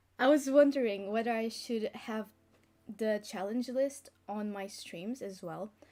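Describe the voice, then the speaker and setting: Over music in the background, a woman with a non-native accent speaks at a medium pitch with ordinary pitch variation. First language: not English. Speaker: book youtuber and streamer. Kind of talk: casual livestream chat. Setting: livestream. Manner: hesitant, many fillers and restarts.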